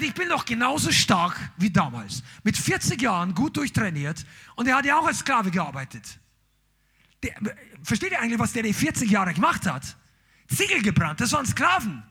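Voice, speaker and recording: High-pitched, animated male preacher. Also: creaky, husky. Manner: emphatic, exclaiming preaching. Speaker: pastor. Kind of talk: sermon.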